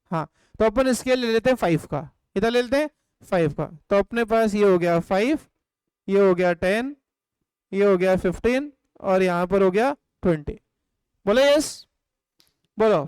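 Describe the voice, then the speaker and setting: High-voiced man teaching a class. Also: clean tone, no room sound. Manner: asks the class questions and prompts answers; drills points with call-and-response. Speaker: economics teacher. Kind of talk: live class lecture. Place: classroom or home studio.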